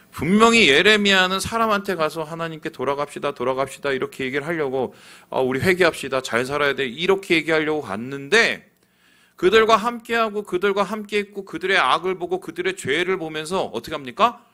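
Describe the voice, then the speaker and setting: A middle-aged pastor delivers a sermon with a bright, forward tone. His pitch swings widely as he preaches and acts out the voices he quotes.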